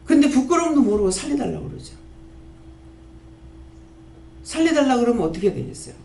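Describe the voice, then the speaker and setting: Gravelly woman pastor scolding in an echoey hall. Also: fairly high pitch, sing-song, warm tone. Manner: scolding, rapid-fire rhetorical questions. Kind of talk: sermon. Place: prayer house church. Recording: echoey church hall, faint background noise.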